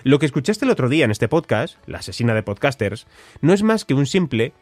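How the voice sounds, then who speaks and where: A man's voice: mid-range voice, very animated, a little fast, darkish tone, no echo, faint music behind. A man with a Spanish accent hosting a podcast, talking with enthusiastic emphasis. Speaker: podcast host. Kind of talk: scripted podcast intro.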